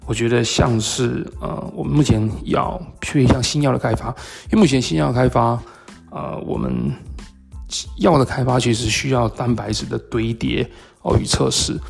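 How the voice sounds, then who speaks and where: A man with a Taiwanese Mandarin accent and a gravelly voice hosts a solo podcast talk, explaining things in a halting way with hesitant pauses. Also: medium pitch, expressive, soft background music. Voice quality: gravelly, creaky. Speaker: podcast host. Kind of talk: solo talk explaining tech and market topics.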